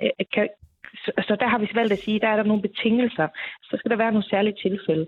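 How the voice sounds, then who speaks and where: A woman's fairly high-pitched voice at a very fast pace, with long, frequent pauses, very even loudness, and fairly even intonation. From Faroe Islands. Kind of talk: moderated panel discussion.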